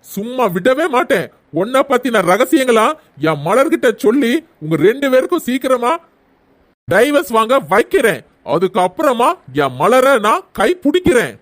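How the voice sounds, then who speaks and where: A man's voice: very high-pitched, big pitch swings, normal speed, fairly bright tone, full character voice. A man voicing a jealous, scheming young man in a cartoon, sneering as he plots. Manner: sneering, plotting. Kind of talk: cartoon voice acting.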